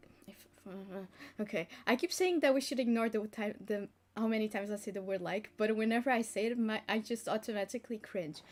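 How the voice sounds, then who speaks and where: This woman has a non-native accent and a fairly high pitch. She talks at a fairly quick pace with ordinary pitch variation. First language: not English. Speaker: book youtuber and streamer. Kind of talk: casual livestream chat. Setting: livestream. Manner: hesitant, many fillers and restarts.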